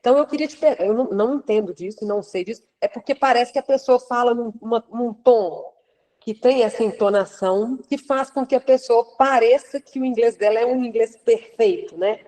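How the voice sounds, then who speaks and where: A woman hosts the interview in a casual way. Her voice is mellow and a little high, and her questions wander, full of hesitations and fresh starts. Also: a little fast, rough recording. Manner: hesitant, restarts, winding questions.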